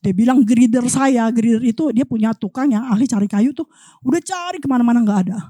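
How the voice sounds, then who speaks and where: A woman's voice: fairly high pitch, brisk, no echo, studio quality. A woman preaching a sermon in church, talking animatedly and calling out to the congregation again and again. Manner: animated, addresses congregation as "Saudara" constantly.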